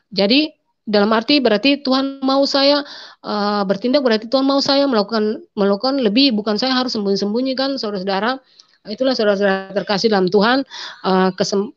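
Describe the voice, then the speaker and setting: A woman gives an earnest church testimony, halting often with fillers. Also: on the high side, muffled recording. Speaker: convert giving testimony.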